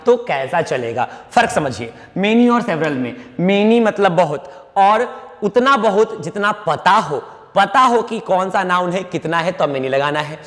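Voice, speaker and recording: A male teacher giving a grammar lesson, slowly dictating and repeating example sentences and coaxing students to answer. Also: high-pitched, expressive, a bit bright, in a large hall. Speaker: English teacher. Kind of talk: classroom-style grammar lesson.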